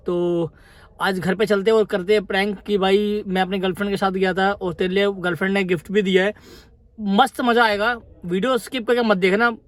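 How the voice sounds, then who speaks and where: A man's voice: high-pitched, level tone, brisk, no room sound. A man opening his prank vlog, upbeat and hyping it up. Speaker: vlogger. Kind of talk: vlog intro to camera.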